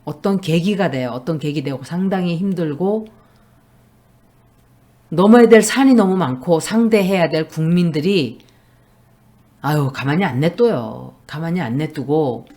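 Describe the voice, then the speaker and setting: Low-voiced woman reading tarot. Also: lively intonation, moderate pace, long pauses, dark tone. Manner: blunt, emphatic predictions. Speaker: tarot reader.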